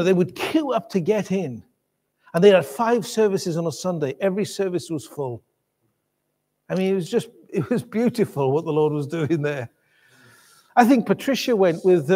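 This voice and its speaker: High-voiced preacher in a reverberant hall. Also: male voice, a little mellow. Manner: conversational, many restarts and asides to the congregation. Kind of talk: sermon. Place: church.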